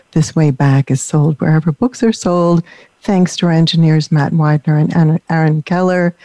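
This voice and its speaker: A woman hosting a radio interview show, speaking in an appreciative, measured way and closing the episode. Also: low-pitched, warm tone, no room sound.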